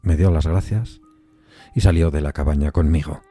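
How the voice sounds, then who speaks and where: A man narrating a gothic suspense story from a script in a measured, solemn storytelling manner. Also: rumbling low, fairly even intonation, warm tone, soft background music.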